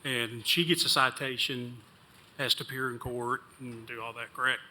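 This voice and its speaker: Male commissioner, bright voice, blunt hearing questions. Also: mid-range voice, steady tone, normal speed. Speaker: county commissioner. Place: county board meeting room.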